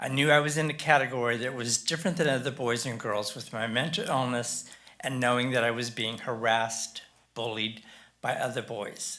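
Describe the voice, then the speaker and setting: A man with an American accent, fairly even intonation and a bright, sharp tone. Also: medium pitch for a man, moderate pace. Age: 60s. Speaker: public commenter at school board meeting. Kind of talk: public comment testimony. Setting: school board meeting.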